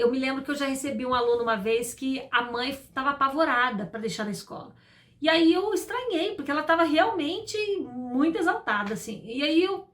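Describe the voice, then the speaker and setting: A woman educator with a Brazilian Portuguese accent gives parents emphatic advice in a high voice and hammers her main points again and again. She sounds middle-aged. Her voice rings in an echoey room. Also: a bit bright. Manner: emphatic, repeats key points. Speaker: school educator.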